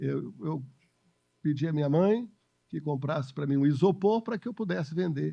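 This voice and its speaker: A man with a fairly high pitch speaks at a moderate pace over a quiet background. His dark, mellow tone is somewhat breathy, with lively intonation and long, frequent pauses. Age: 60s. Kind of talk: podcast interview, personal testimony.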